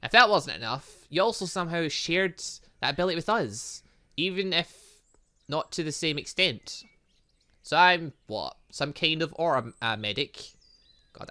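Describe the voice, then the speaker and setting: A man's voice: on the high side, lively intonation, moderate pace, sharp tone, no echo. Guy doing a lets play, reads the text out n comments, keeps fixing his slips, very up and down voice, dry close sound. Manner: stumbles over words and corrects himself while reading. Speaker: gaming YouTuber reading a visual novel aloud. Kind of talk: let's play, reading dialogue aloud with improvised commentary.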